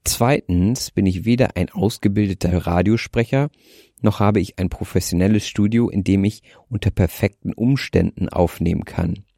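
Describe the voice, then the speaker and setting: A young man in his twenties with a light north German accent reads his prepared podcast script in a careful, deliberate way. His voice sits very low and dark, and the sound is close and dry, with no room ring. He speaks into a handheld mic from under a blanket in bed. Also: creaky, no room sound. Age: 20s. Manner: careful, deliberate delivery aiming for standard German. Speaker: podcast host. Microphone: handheld microphone.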